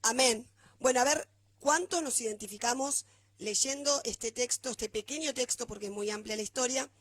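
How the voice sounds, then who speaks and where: A woman's voice: fairly high pitch, normal speed. A woman pastor with a Rioplatense Spanish accent, preaching a conversational sermon and often checking in with the congregation.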